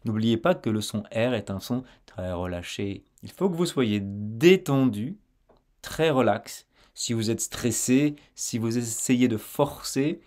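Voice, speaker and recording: A man teaching French pronunciation, slowly modelling words and phrases and repeating them for the listener to copy. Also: medium pitch, darkish tone. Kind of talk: pronunciation lesson.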